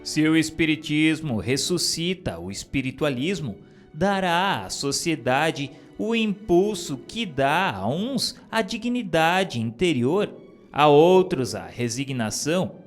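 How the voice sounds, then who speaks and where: A man reads in a slow, unhurried cadence, his voice sitting a touch higher than most men's. His delivery is solemn and deliberate, each phrase weighed, with soft instrumental music far in the background. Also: animated. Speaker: reader of a spiritist book. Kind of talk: scripted solemn reading.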